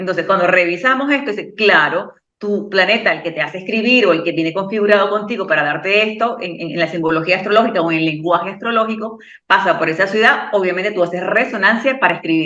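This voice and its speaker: A woman with a Venezuelan accent talks at a very fast clip, her pitch sitting in the medium range. Her pitch moves in an ordinary way, and the room gives off an audible echo. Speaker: astrologer. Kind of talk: podcast interview.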